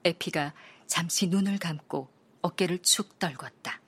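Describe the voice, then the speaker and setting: A woman reads a detective novel aloud as an audiobook narrator, calm and even. Her voice is a little low and slightly husky. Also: a little slow.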